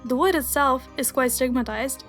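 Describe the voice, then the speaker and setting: A woman's voice: sits high, normal speed, fairly bright tone, soft background music. A young woman whose first language is Russian, narrating a scripted video essay in an earnest, wry, explanatory way. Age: young adult.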